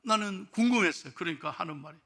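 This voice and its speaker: A middle-aged man preaching a sermon as pastor in a church, swinging from hushed storytelling to loud exhortation. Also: high voice, expressive, fast talker, creaky. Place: church sanctuary.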